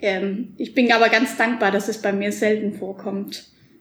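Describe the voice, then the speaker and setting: Noticeable background noise sits behind the speech. A woman talks at a moderate pace. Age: 20s. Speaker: podcast host, youth welfare worker. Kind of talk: casual chat.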